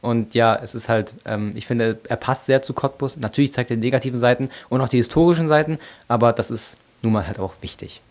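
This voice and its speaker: A man's voice: mid-range voice, fairly quick, few pauses, a little mellow. A sixteen-year-old boy, a guest in a radio studio, talking casually with lots of small filler words. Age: teenager, 16. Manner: casual, repeats "halt" and "ja". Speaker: workshop participant, radio guest.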